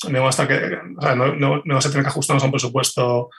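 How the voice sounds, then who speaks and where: A man's voice: mid-range voice, fairly even intonation, racing, creaky, a bit bright. A man with a Spain accent answering in a conversational interview, hesitantly repeating words as he thinks. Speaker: podcast guest, fiction writer.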